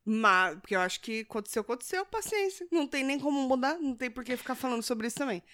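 Young woman chatting, higher voice that jumps around a lot, slangy and chill. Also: animated, quick pace, fairly bright tone, a little hiss or hum. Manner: laid-back, slangy, laughs a lot. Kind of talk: casual chat.

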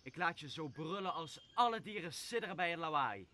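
A man's voice: a little high, expressive, brisk, sharp tone. A man playing a cruel, commanding master who barks orders at his slave in an audio drama. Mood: angry, threatening. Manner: barking, imperious. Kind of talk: Dutch audio drama acting of Shakespeare.

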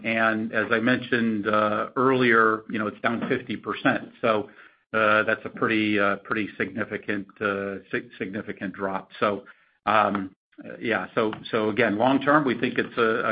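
A man speaking as a company executive answering analysts on an earnings call, in a halting, measured way. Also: on the low side, level tone, a little hiss or hum. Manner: halting, hedged, measured delivery. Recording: muffled, lo-fi conference call audio.

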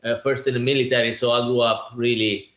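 Guy around 60, chatty and laughing, mid pitch, kinda echoey room. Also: level tone, fairly quick, a bit bright. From Italy. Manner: chatty, laughing, many fillers and restarts. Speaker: guest, real estate agent. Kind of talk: casual interview talk.

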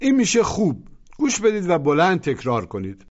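In muffled, lo-fi audio, a man narrates a language lesson and patiently asks listeners to repeat after him. He speaks in a high-pitched voice whose pitch swoops wildly.

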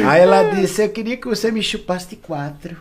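A man's voice: sits high, very noisy. A man telling crude stories on a casual podcast, boisterous and acting out every line of dialogue. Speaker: guest storyteller.

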